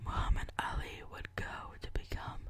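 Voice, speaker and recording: Whispering in a calm tone with an American accent, a woman speaks at a fairly slow pace over noticeable background noise. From United States. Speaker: ASMR creator. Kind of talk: history reading. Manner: soft-spoken, calm.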